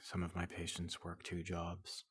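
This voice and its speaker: A person softly voicing a large, gentle robot doctor in an ASMR roleplay, often whispering, speaking slowly and haltingly to reassure a patient. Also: deep voice, monotone, husky, dry recording. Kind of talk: soft-spoken ASMR roleplay.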